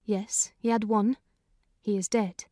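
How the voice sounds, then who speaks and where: A woman's voice: mid-range voice, flat delivery, slow pace, dark tone, no room sound, studio quality, lightly acted. A woman reading a kindly, talkative older housekeeper in a dramatized audiobook. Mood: chatty. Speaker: narrator voicing housekeeper.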